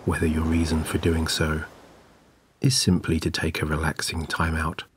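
A man narrating a scripted guided sleep meditation in a soothing, gentle, measured way. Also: rumbling low, completely flat delivery, a little hiss or hum. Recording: clear background ambience of waves. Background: relaxing ocean wave sounds.

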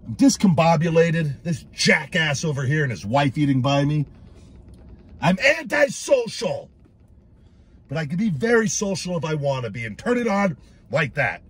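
A man's voice: fairly high pitch, sing-song, moderate pace, breathy edge. A middle-aged man vlogging a food review from inside his parked truck, swearing a lot and making fun of himself in a rambling way. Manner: crude, self-mocking, rambling. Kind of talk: casual profane car vlog.

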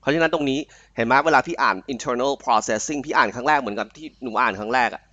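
A young man from Thailand tutoring a student live online. He reads the passage aloud slowly, then explains it in quick, chatty talk. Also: mid-range voice, sharp tone, no echo, muffled recording. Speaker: IELTS tutor. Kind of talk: live online tutoring, Thai mixed with English. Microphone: online call mic.

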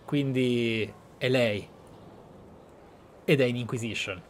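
Male streamer, mid-pitched, dramatic and deliberate, emphatic game narration, faint background noise. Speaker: gaming streamer, host. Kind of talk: emphatic roleplay let's play commentary.

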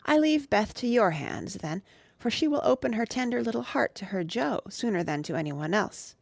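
A woman voicing a gentle, loving middle-aged mother in an audiobook, soft-spoken and tender. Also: fairly high pitch, animated, normal speed, creaky, no room sound, clean studio sound. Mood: earnest. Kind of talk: audiobook reading.

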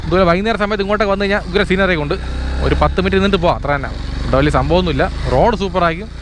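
A man with a slightly high voice and a Trivandrum Malayalam accent talks quickly over clear vehicle and outdoor noise. He gives casual, chatty commentary from a bike ride, dropping English words into his Malayalam. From Kerala, India. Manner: chatty, repetitive exclamations. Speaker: motorbike vlogger. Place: outdoors on a moving motorbike. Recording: noisy outdoor recording with traffic and engine.

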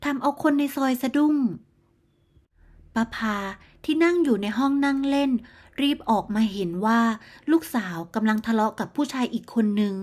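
A woman narrating a moral bedtime story in a steady, measured storytelling manner. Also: sits high.

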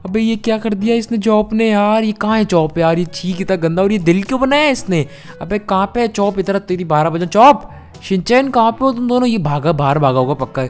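A man hosting a Hindi gameplay role-play, talking loud and slangy, often scolding. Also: high voice, lively intonation, brisk, faint music behind. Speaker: gaming channel host.

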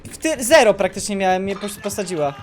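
Excitable, cursing gamer guy. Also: high voice, a little fast, faint music behind. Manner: excitable, swears a lot. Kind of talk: casual gaming banter.

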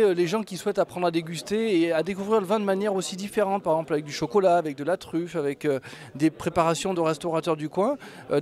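Man, thirties, rapid fluent explaining, slightly high voice, handheld mic. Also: a little mellow. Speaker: sommelier teacher. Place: busy indoor reception hall.

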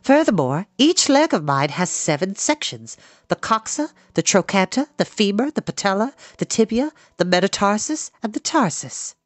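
A storybook reader voicing a clever female spider who teaches in a precise, patient, brisk way. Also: medium pitch, big pitch swings, no echo, voice pushed up, lightly acted. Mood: matter-of-fact. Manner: precise, instructive, matter-of-fact.

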